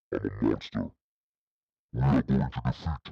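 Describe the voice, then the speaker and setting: Here a man puts on a character voice, very deep and low in pitch. He talks at a fairly quick pace. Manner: growling, dramatic.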